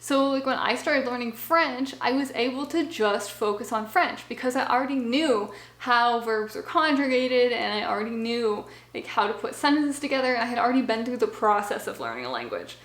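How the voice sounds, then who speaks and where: Young woman vlogger, casual and chatty, slightly high voice, echoey small room. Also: creaky, fairly bright tone. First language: English. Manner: chatty, with frequent fillers and asides. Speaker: language-learning vlogger. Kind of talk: casual explanatory talk to camera. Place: small home office.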